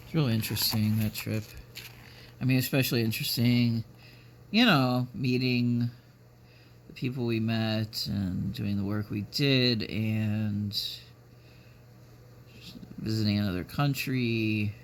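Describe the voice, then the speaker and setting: Male vlogger, 50s, creaky and unhurried, musing aloud in loose, rambling casual chat. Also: on the low side, fairly even intonation. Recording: noticeable background noise.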